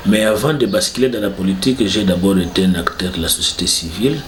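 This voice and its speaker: A man with a Congolese French accent and a very low voice answers interview questions as a politician. He speaks in a formal, measured way. The room is echoey, with a faint hiss of noise behind him. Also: steady tone. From South Kivu, Congo. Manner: formal, measured self-presentation. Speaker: politician, guest.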